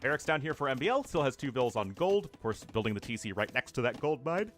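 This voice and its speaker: A man's voice: mid-range voice, sing-song, fast talker, fairly bright tone. A man giving casual live commentary on a strategy game match while answering chat questions, chatty and thinking aloud. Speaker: streamer and caster.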